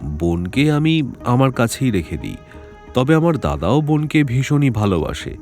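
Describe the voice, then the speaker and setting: A man's voice: mid-range voice, big pitch swings, a little slow, darkish tone. An actor playing an anxious middle-aged jeweller who fears he will be murdered, talking in a hesitant, worried way with faint music behind. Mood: explaining. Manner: hesitant, worried, explaining at length. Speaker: client. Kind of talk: Bengali audio drama acting.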